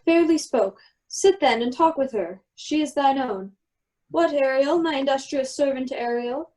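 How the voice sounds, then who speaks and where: High-pitched woman as commanding magician duke. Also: unhurried, a little mellow, poor audio. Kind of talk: Shakespeare performed as a radio play.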